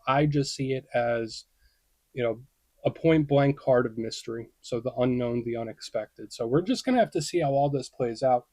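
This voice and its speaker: Young male tarot reader, casual and reassuring, thinks out loud, dry untreated room. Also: medium pitch, husky, no echo. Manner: chatty and reassuring, thinks aloud with acted-out inner questions. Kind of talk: casual tarot reading to camera.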